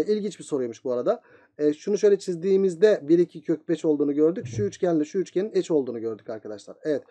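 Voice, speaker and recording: A male teacher rattles through a geometry review at a breakneck pace. His voice sits high for a man but has a mellow, soft-edged tone. He keeps asking the students' questions himself and then answering them. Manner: very fast talker, voicing student questions himself. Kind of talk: geometry lesson.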